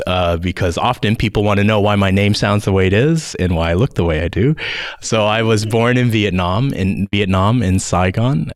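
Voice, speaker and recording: This is a man in his forties with a Southern Californian accent, speaking as a guest on an interview podcast. His voice sits very low and sounds smooth and resonant. He tells his story eagerly, rambling a little with fillers, in a dry, close recording. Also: no echo. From United States. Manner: enthusiastic, rambling with fillers and laughs. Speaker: guest educator.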